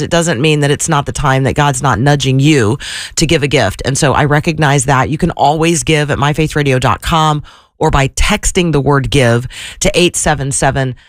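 Woman, radio host, slightly gravelly voice, chatty, effusive, fillers and restarts, dry studio mic. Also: sits low, no echo. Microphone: studio microphone.

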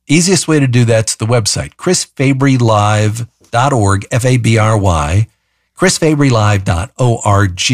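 A man hosting a live radio talk show, playful and enthusiastic, pitching a donation offer between questions for his guest. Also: dry recording, studio quality. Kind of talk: upbeat radio hosting and fundraising appeal. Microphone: studio microphone.

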